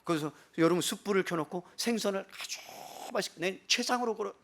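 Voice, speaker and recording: A male pastor preaching a Sunday sermon, animated, firing rhetorical questions at the congregation and swinging between loud bursts and hushed passages. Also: sits high, fast, a little hiss or hum.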